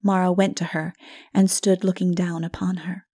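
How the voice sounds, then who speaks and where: A woman narrating a dark fantasy audiobook dramatically, in a solemn, measured manner that is hushed at times. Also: fairly low pitch, level tone, breathy edge.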